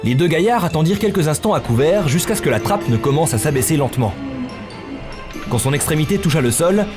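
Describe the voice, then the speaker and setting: A man's voice: a little high, lively intonation, quick pace. A man narrating a scripted story in literary prose as the narrator of a visual novel. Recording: music bed under the voice.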